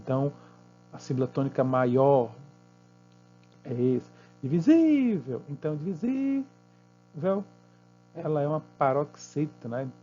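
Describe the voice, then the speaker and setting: A Brazilian man teaching math, walking students through exercises patiently and checking in with quick tag questions. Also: mid-range voice, dark tone, muffled recording. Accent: Brazilian Portuguese.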